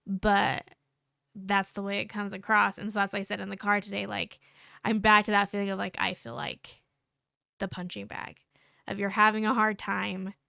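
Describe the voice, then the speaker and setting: A woman's voice: medium pitch, gravelly, sharp tone, clean tone, no room sound, studio quality. A woman co-hosting a candid couple's conversation, earnest and rambling with many fillers. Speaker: podcast co-host.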